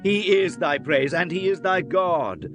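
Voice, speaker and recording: Solemn male prophet, actor-voiced, declamatory scripture audiobook delivery, wide-ranging intonation, clear musical bed underneath. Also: on the high side, animated, a little slow, over music. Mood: fervent exhortation. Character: solemn male prophet exhorting his people. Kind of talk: dramatized scripture audiobook reading.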